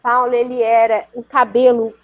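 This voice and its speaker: In a conversational story told over a video call, a woman with a Brazilian Portuguese accent speaks as an interview guest, earnest and vivid and often checking in with her listener. Her fairly high voice has a flat delivery at a moderate pace, heard through muffled lo-fi audio.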